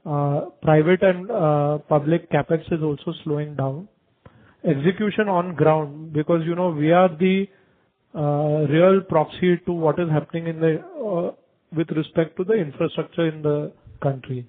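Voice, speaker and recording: An Indian-accented man with a fairly high voice speaks as a company executive to investors. He builds long answers in halting phrases over a thin telephone conference line. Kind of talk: earnings call answers. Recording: narrow tinny conference phone line.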